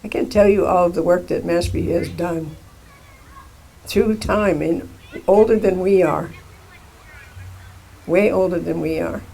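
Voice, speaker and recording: An older man giving a heartfelt, earnest public address at a rally in a deliberate way. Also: high-pitched, fairly even intonation, gravelly, warm tone. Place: outdoor rally. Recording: noisy outdoor event recording.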